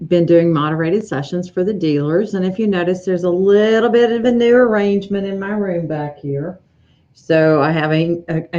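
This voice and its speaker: A middle-aged woman from East Tennessee, Southern accent and lowish voice, hosts a casual livestream from her home sewing room. An embroidery educator, she chats and greets viewers with lots of fillers and restarts, and the lo-fi stream audio sounds slightly dull.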